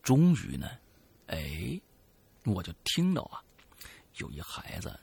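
A man co-hosting a podcast, reading a listener's ghost story aloud in a dramatic way that swings between loud and hushed. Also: sits low, huge pitch swings, slow pace, gravelly, breathy edge, dry recording. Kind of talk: spooky storytelling.

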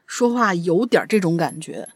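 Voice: mid-range voice, lively intonation, normal speed, breathy edge, dry recording. A podcast co-host chatting casually and hesitantly, searching for words. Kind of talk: casual chat.

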